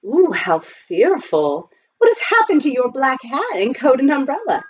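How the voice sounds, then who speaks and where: A woman's voice: sits high, sing-song, measured pace, lo-fi sound, slight background noise, pitched above the performer's own voice. A woman voicing a genteel, joyful and teasing aunt with exclamatory manners in a storybook reading. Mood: teasing, delighted. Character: genteel adult aunt, joyful, teasing, firm-minded Boston lady.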